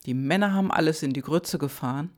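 A woman's voice: deep voice, fast, a little mellow. A woman hosting her own podcast, talking directly to the listener in a chatty, reflective monologue full of rhetorical questions. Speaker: podcast host.

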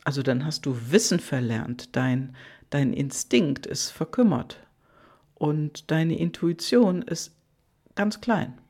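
A coach giving a motivational monologue straight to the listener, with repeated soft phrases, frequent fillers and self-corrections. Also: medium pitch, slow.

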